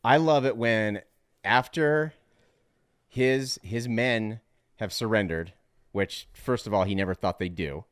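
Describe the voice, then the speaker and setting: A man's voice: lowish voice, no room sound, studio quality. A man co-hosting a casual movie podcast, eager and laughing often. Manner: eager, laughs often, quick bursts of excitement. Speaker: podcast co-host.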